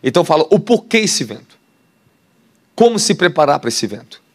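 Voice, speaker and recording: A man preaching with a Brazilian Portuguese accent. His voice sits fairly high, and he questions the congregation in an animated way, often breaking into laughter. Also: a little fast. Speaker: apostle preacher. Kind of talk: sermon teaching.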